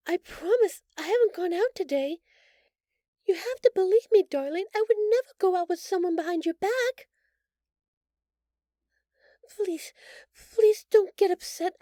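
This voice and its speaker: A woman voicing a shapeshifted alien posing as a sweet, anxious human girlfriend in an intimate audio roleplay, speaking softly and haltingly. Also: very high voice, no echo, studio quality. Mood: nervous, defensive, then tearful, pleading. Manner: soft, halting, pleading, stammering. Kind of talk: audio roleplay acting, intimate address to listener.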